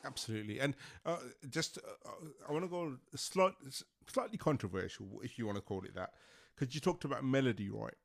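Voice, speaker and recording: A man's voice: mid-range voice, lively intonation, a little fast, creaky. Man hosting a casual interview. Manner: hesitant, lots of fillers and restarts, nostalgic. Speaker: podcast host.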